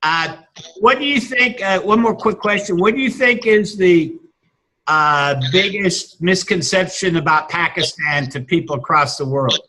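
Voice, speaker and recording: A man, a teacher chatting casually and haltingly with many restarts and fillers. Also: high voice, bright, forceful tone, rough recording. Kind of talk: casual video-call chat.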